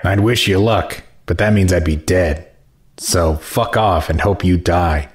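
A gruff homeless rival with a very deep voice. He is blunt, crude and hostile, a character in a horror audio drama. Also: measured pace. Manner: blunt, foul-mouthed.

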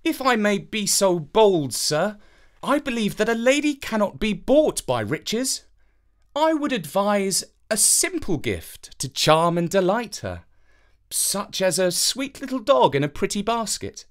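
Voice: medium pitch, very animated, unhurried, pitched above the performer's own voice. A narrator voicing a charming, humble young male messenger in a fairytale, courteous and deferential. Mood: respectful.

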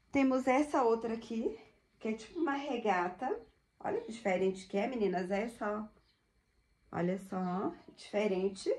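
A woman's voice: medium pitch, darkish tone. A woman in her thirties from Brazil, showing thrift clothes to viewers in a chatty, upbeat way, recorded at home on the camera mic. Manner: chatty, upbeat, many diminutives and "olha só" asides. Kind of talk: casual product showcase. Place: small home room indoors. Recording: echoey room.

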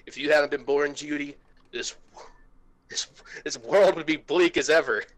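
A man voicing a hurt, bitter adult male fox, pleading with halting intensity in an amateur comic reading. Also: on the high side, lightly acted. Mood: earnest, wounded.

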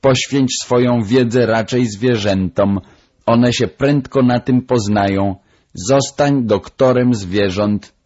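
A man voicing a proud, lecturing female parrot with a shrill voice, in a storybook audiobook. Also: takes it slowly, darkish tone, dull audio.

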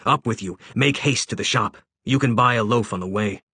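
A man doing a gruff bullying master. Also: mid-range voice, normal speed, sharp tone, no echo. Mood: bossy. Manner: barking orders.

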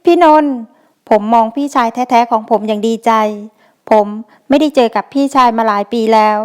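A woman reads an audio novel with steady, even storytelling. Her voice is smooth and clear, and it sits a little higher than most women's. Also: fairly quick. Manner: steady storytelling, reading a male first-person narrator. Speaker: audiobook narrator. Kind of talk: audiobook narration.

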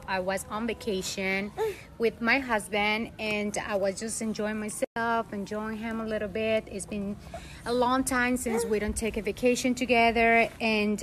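A woman's voice: a little high, fairly even intonation, slow, a bit bright, slight background noise. A young woman and mother vlogging casually at home, talking to her viewers and her baby, switching between chatty asides and cooing baby talk. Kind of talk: casual bilingual vlog talk to camera and baby. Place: at home, indoors.

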